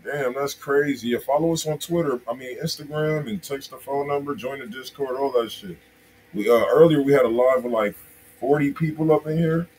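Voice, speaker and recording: A man's voice: mid-range voice, moderate pace, a little mellow. A man in his thirties with an American accent, hosting a livestream in casual, slangy chat, speaking straight to his viewers. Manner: slangy, conversational, addressing viewers directly. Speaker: music review livestream host. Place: indoors, small room. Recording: noisy livestream room sound.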